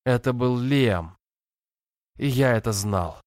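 A man's voice: medium pitch, slow pace, a little mellow, no echo, studio quality, close to an everyday voice. A man voicing a despairing teenage boy who talks through tears in a cracking voice. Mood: bitter. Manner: broken, tearful pleading.

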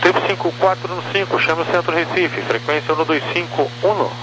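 A Brazilian man works as an air traffic controller, firing off clipped instructions very quickly. His slightly high voice comes over a walkie-talkie style radio with clear hum and noise. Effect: heard over two-way radio, like a walkie-talkie. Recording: humming, noisy two-way radio channel.

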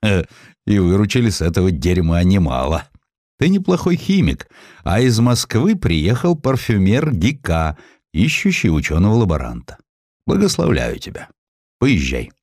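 A man's voice: low-pitched, very animated, moderate pace, darkish tone, no room sound, studio quality, exaggerated voice. A man voicing an earthy old Parisian soap-maker, a father giving emphatic advice in an audiobook story. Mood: earthy, instructing.

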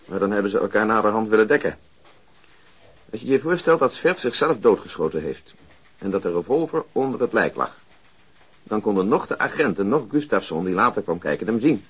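A man's voice: on the low side, big pitch swings, fairly quick, slightly rough. An actor playing a dry, unflappable policeman in a radio drama, matter-of-fact and needling towards his colleague. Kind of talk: Dutch radio drama acting, conversational.

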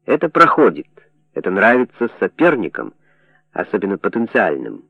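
Мужчина-чтец играет циничного западного журналиста, говорит резко и напористо. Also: male voice, on the low side, wildly swooping pitch, normal speed, creaky, slightly rough, no room sound, exaggerated voice. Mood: brash. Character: cynical Western journalist, brash man. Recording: dry narrow phone-like sound.

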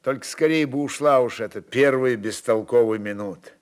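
A man narrating literary prose expressively as a storyteller, with dramatic pauses. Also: mid-range voice.

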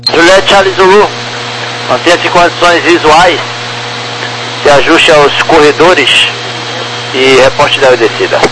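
A man's voice: fairly high pitch, a little slow, long pauses. A man working as an air traffic controller, giving clipped procedural instructions over the radio. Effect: aviation radio transmission. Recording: noisy aviation radio with hum.

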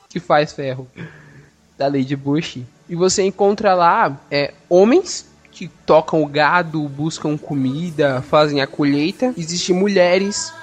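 A man's voice: fairly high pitch, takes it slowly, faint music behind. A man with a Brazilian accent hosting a casual film podcast, rambling with many restarts and jokes. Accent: Brazilian Portuguese. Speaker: podcast host and editor.

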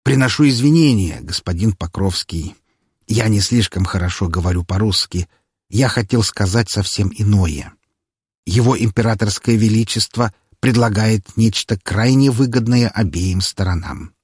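A calm, ceremonious elderly chancellor, voiced by a male reader in an audiobook, unhurried and formal. The voice sits low and slightly husky, recorded close and dry. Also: dry recording.

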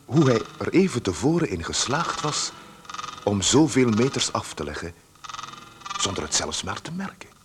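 A man with a husky voice reading calm, detached literary narration for a radio play. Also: lowish voice, moderate pace, background noise. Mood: calm, sombre. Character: calm, detached male storyteller.

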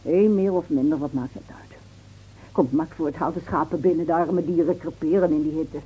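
A woman's voice: sits low, brisk, breathy edge. An actress playing a bitter, weary middle-aged village mother in a radio play, curt and fatalistic in manner. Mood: bitter, defiant. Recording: dull, muffled old radio play recording.

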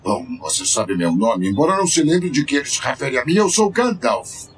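Um homem interpretando um velho mago grandioso e teatral em um audiodrama. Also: male voice, mid-range voice, sing-song, fairly quick, a little hiss or hum, natural voice. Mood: grand, theatrical. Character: grandiose old male wizard, theatrical.

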